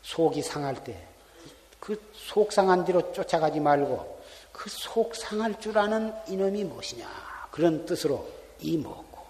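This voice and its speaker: A man's voice: a little high, animated, moderate pace, darkish tone, slight background noise. A man, a Buddhist monk giving an earnest Dharma talk full of repeated rhetorical questions, recorded in a temple hall. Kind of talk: sermon.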